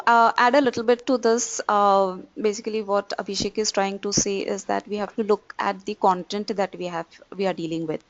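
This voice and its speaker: Woman hosting a webinar q&a, halting delivery, dull close dry audio. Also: medium pitch, no room sound. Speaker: webinar host. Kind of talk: moderating an audience question session.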